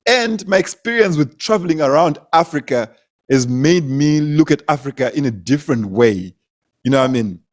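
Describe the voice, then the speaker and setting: A man's voice: fairly high pitch, animated, normal speed. A young man from Zimbabwe, a comedian, telling stories in casual conversation, laughing often and repeating words as he goes. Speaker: comedian, guest.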